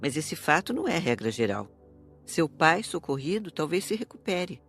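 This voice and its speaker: A woman playing a calm, serious spirit teacher in an audiobook, speaking in a measured, didactic way. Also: low voice, faint music behind. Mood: reassuring. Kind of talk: audiobook dialogue.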